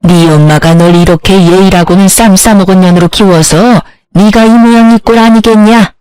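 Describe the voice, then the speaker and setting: A woman's voice: medium pitch, fairly even intonation, normal speed, darkish tone, smooth, no echo, lightly acted, rough recording. Brief: woman reading a nasty, contemptuous mother-in-law, storybook drama. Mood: shrieking angry. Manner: insulting, contemptuous scolding. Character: spiteful older mother-in-law, scolding.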